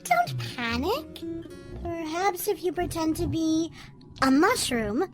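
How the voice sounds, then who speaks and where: Sly little fantasy bird, very high and slow-talking, teasing, sing-song, for audio drama with music underneath. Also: female voice, very animated, exaggerated voice. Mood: mischievous. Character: playful, teasing, riddling bird creature of Wonderland.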